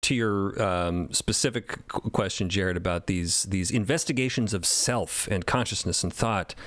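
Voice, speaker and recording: A man's voice: low voice, moderate pace, a bit bright, dry recording. A man, one of the show's creators, talking thoughtfully in a casual roundtable discussion and laughing easily. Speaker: podcast co-creator.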